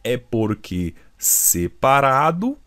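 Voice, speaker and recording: A man's voice: mid-range voice, sing-song, drawn-out words, a bit bright. A man with a Brazilian Portuguese accent teaching a video lesson, explaining rules step by step and asking the viewer questions.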